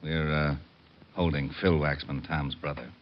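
A man's voice: extremely low pitch, fairly even intonation, measured pace. An American man acting a blunt, weary homicide lieutenant in an old radio crime drama. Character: gruff, weary male police homicide lieutenant. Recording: dull old radio recording.

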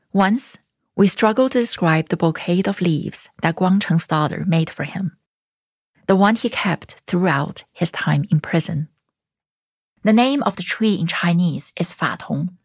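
A woman hosting and narrating a documentary podcast in a calm, reflective scripted style. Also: lowish voice. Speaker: host and narrator.

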